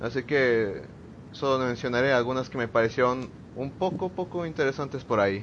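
Speaking at a moderate pace in an ordinary speaking voice, a man keeps a medium pitch with ordinary pitch variation. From Tuxtla Gutiérrez, Chiapas, Mexico. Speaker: gaming podcast panelist. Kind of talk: news segment.

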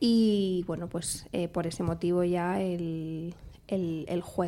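A woman's fairly low, dark and mellow voice, flat and monotone, on a very clean recording with a silent background. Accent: Madrid. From Madrid, Spain. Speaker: lawyer. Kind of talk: casual chat.

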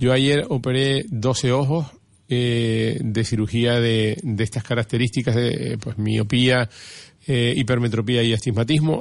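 A normal speaking voice from a man, medium-pitched, with ordinary pitch variation. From Canary Islands, Gran Canaria (Arucas). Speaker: ophthalmologist. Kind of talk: radio interview. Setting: radio studio.

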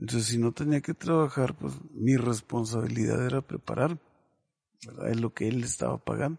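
This normal speaking voice, at a moderate pace with ordinary pitch variation, sounds dry and close with no echo. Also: man, medium pitch for a man. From Mexico, Ciudad Juárez (Chihuahua). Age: 60s. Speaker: local television station director. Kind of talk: casual interview. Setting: office.

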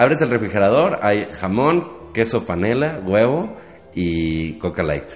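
Amid audible room echo, a man with a fairly low voice speaks very slowly, his pitch swinging very widely. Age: 30s. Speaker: comedian and podcast co-host. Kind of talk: casual chat. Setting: roof garden with echo.

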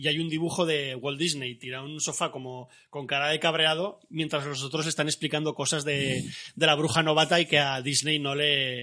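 A man speaks fairly quickly at a fairly high pitch, with a bright, sharp tone and fairly even intonation. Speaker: podcast host. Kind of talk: casual chat.

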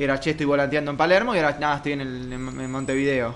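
A man talks very fast in a fairly high pitch, his intonation fairly even, over noticeable background noise. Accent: Rioplatense. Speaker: comedian. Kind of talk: casual chat.

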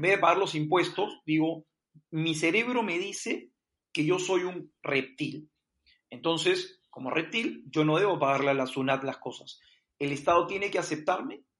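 A man speaks at a high pitch. His pace is moderate, with ordinary pitch variation. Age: 40s. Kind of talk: debate-style interview.

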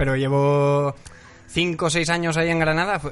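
A man with a plain, everyday voice talks at a moderate pace with fairly even intonation. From Asturias, Spain. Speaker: poet. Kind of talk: casual chat.

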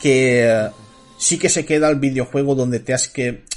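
At a moderate pace, a man talks in a medium pitch. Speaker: podcast host, gaming. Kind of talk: casual chat, podcast banter. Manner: joking, informal.

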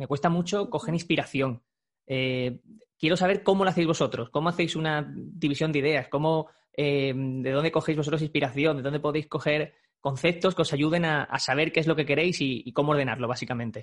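Against a quiet background, a man with an unremarkable speaking voice talks fairly quickly at a fairly high pitch, with ordinary pitch variation. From Málaga, Spain. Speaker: podcast host. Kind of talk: interview conversation.

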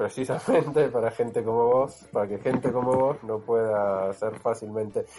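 With a normal speaking voice, a man talks at a moderate pace in a medium pitch, using fairly even intonation and hardly any pauses. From Latin America. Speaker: IT security expert. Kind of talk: casual chat.

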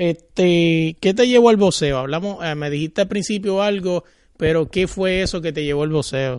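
A man speaks with a strong Puerto Rican accent. His pitch is high. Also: ordinary pitch variation, moderate pace. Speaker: podcast host. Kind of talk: casual interview. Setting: in-person interview at guest's home.

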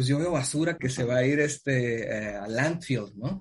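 With lively intonation, the man talks at a moderate pace. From Tijuana, Mexico. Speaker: social researcher and artist. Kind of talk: interview. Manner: halting, many fillers.

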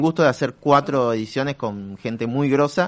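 Using ordinary pitch variation, a man talks in a Rioplatense accent. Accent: Argentine Rioplatense Spanish. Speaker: shop owner. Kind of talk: radio interview.

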